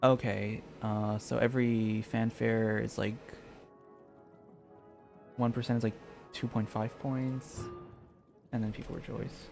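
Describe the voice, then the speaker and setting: A man's voice: on the low side, little pitch movement, takes it slowly, vocal fry, long pauses. A man streaming a game with casual live commentary, rambling and thinking aloud as he goes. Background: faint game music.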